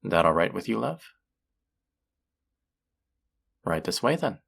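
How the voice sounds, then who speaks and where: A man voicing a flirty, possessive demon casino worker in a roleplay audio drama, teasing and taunting with seductive, drawn-out phrasing. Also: low voice, big pitch swings, vocal fry, fairly bright tone, husky, full character voice. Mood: smooth, inviting. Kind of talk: scripted roleplay audio drama addressed to the listener.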